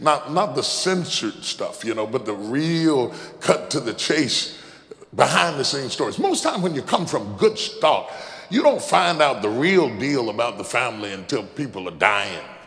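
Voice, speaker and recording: An animated man with a fairly high pitch speaks at a moderate pace with very wide pitch swings, amid noticeable background noise and audible room echo. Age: 50s. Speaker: pastor. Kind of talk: sermon. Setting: church with congregation.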